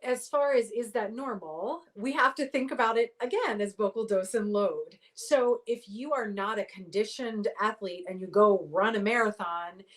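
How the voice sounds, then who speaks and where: A middle-aged woman, a voice pathologist, giving clear explanatory interview answers full of sports analogies. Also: medium pitch, normal speed, hardly any pauses. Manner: articulate, explanatory, uses athletic analogies. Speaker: voice pathologist guest.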